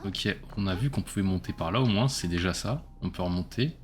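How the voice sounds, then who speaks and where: A man's voice: low voice, brisk. Man, live game commentary, chatty, self-mocking, faint music underneath. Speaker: streamer. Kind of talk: casual live gameplay commentary.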